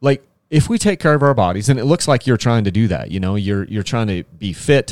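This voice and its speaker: In a very clean recording with a silent background, a man talks at a fairly quick pace in a plain, everyday voice, medium in pitch with lively intonation. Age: 40s. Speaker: podcast host. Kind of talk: casual chat. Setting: studio.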